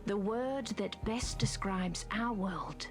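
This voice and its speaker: A woman giving scripted, documentary-style narration for a video game intro, measured and solemn. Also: medium pitch, faint music behind, lightly acted.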